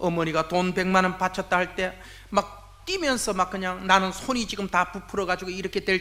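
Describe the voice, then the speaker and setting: Raising and projecting his voice, a man with a high pitch speaks at a fairly quick pace with fairly even intonation over noticeable background noise. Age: 60s. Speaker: church elder giving testimony. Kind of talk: testimony. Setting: church.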